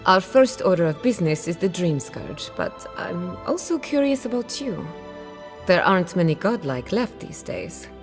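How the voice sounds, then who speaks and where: An actress playing a proud, sharp-tongued outcast woman scholar in dramatic video game dialogue, articulate, assertive and wry. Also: lowish voice, very animated, moderate pace, soft background music. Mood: curious, wry.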